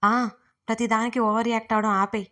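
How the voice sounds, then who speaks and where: Snappy grumpy young husband, read by a woman, loud and sharp. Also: fairly high pitch, fairly even intonation, normal speed, lightly acted. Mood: irritated. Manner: sharp, scolding. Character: young man, irritable hot-tempered husband.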